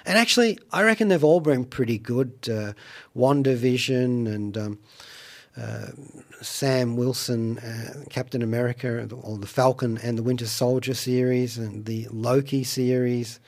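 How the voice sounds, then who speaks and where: A man hosting a radio show, chatting about pop culture in a wry, playful way with theatrical asides and deliberate phrasing. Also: medium pitch. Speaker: radio show host and reviewer. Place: radio studio.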